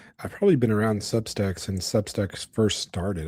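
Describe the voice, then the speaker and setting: A man's fairly low, somewhat breathy voice with a dark, mellow tone, an American accent and a moderate pace, in a very clean recording with a silent background. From Los Angeles, California. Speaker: writer and Navy veteran. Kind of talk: casual podcast discussion.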